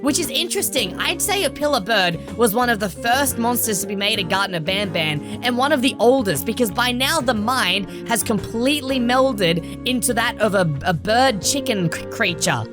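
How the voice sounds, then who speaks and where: A woman's voice: on the high side, expressive, normal speed. A woman hosting game lore commentary in a musing, explanatory manner. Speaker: video host. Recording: music under the voice.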